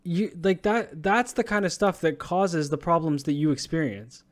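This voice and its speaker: A man's voice: fairly high pitch, normal speed. Blunt, ranting young man on a podcast. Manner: blunt, profane, ranting with laughs. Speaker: podcast co-host. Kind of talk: casual sports chat.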